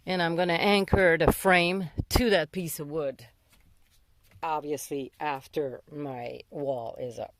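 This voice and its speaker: A woman's voice: low-pitched, dry recording. French-Canadian woman chatting casually, searching for words. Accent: Québécois French. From Montreal, Canada. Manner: searching for words, often rephrasing. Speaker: vlogger documenting a van build. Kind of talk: casual vlog chat.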